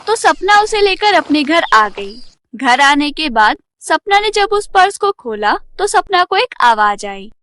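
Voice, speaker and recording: A woman's voice: sits high, big pitch swings, a little slow, a bit bright, no echo, clean studio sound. A woman narrating a scripted children's fairy tale as the storyteller.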